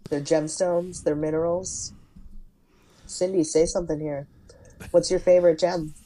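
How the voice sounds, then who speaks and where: Very mellow, low-voiced woman chatting. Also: steady tone, a little slow, poor audio. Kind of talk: casual chat.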